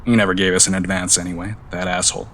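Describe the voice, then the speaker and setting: A man playing a weary, guarded journalism mentor in an audio drama, blunt, sardonic and gruffly protective, speaking naturalistically. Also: low voice, flat delivery, racing, a bit bright, slight background noise. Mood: rueful.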